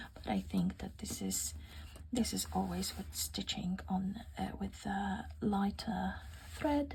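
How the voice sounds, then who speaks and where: Noticeable background noise runs under speech delivered at a very slow pace. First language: Polish. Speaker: craft vlogger. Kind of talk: casual chat. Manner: halting.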